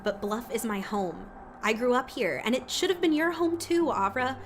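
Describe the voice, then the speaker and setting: An actress playing a stubborn, defiant young woman with an insistent, sharp-tongued manner in an audio drama. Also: fairly high pitch, moderate pace, close to an everyday voice. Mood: defiant, hurt. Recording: clear background noise.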